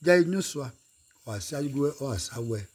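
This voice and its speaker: A man's voice: mid-range voice, expressive, normal speed, a little mellow, breathy edge. A man singing or chanting in a repetitive way, returning again and again to short refrains. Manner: repeats short refrains over and over.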